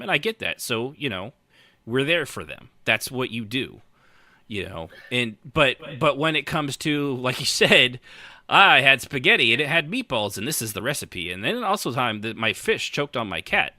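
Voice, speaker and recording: Animated, very bright-voiced middle-aged man. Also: mid-range voice, normal speed, no room sound. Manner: rambling, self-interrupting, thinking aloud. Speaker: podcast host. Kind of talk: casual conversational podcast chat.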